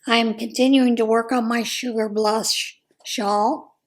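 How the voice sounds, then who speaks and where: An American woman whose voice is a little hoarse talks through a relaxed crochet vlog. Her talk is chatty and meandering, full of small ums and asides, with an easygoing, friendly pace. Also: on the high side, unhurried. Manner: chatty, rambling, with frequent ums. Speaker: crochet vlogger. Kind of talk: casual chat.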